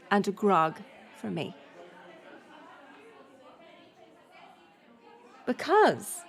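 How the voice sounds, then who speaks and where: A woman's voice: mid-range voice, close to an everyday voice. A woman playing a bold, teasing pirate smuggler captain in an audio roleplay, playful and sardonic in manner. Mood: flirtatious, playful. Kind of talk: intimate audio roleplay storytelling.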